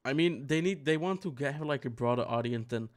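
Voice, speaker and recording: A young Dutchman co-hosts a casual podcast chat at a fairly quick pace and medium pitch, rambling, swearing, and restarting his sentences a lot.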